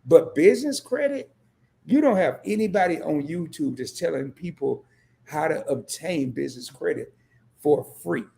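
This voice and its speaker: A hoarse man who has nearly lost his voice, chatting on a livestream as a co-host and turning rousing and emphatic, repeating himself as he gets worked up. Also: a little high, animated, moderate pace, warm tone. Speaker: fellow credit YouTuber and co-host. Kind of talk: casual livestream chat.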